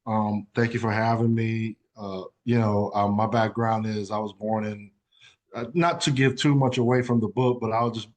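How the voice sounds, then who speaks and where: Man, 40s, army veteran author, low voice, flat delivery, plain-spoken. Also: moderate pace. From Okinawa, Japan and Savannah, Georgia. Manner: plain-spoken, many uhs and "you know". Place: radio studio.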